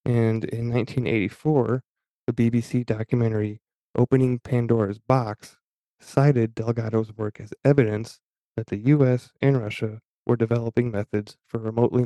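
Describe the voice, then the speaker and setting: A man's voice: mid-range voice, mellow, dry recording. A man hosting a podcast, talking casually with many fillers and restarts and reading aloud from an article. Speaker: podcast host.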